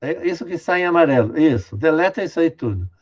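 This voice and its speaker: An older Brazilian linguistics professor lectures online over a dull, lo-fi video call, patiently explaining a student's writing and directing the screen operator. His fairly high, slightly mellow voice is animated and fast, and he tags sentences with frequent "né?".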